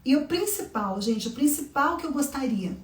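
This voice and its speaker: Woman parenting educator, slightly high voice, chatty lecture style, echoey room, mic a bit far. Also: lively intonation, moderate pace. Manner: conversational, frequent "tá?" and "né?" check-ins. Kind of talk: online class lecture.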